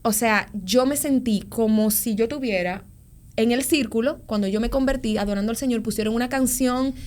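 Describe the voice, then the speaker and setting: A woman, a podcast guest telling her faith story in a slangy, lively way with many repeated words. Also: fairly high pitch, moderate pace. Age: 40s. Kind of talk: personal faith testimony in casual chat.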